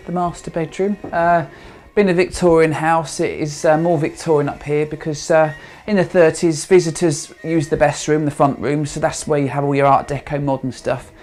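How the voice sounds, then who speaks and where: British man in his thirties, higher-pitched voice. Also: a little mellow. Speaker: interviewee, history enthusiast. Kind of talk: informal interview while showing his home.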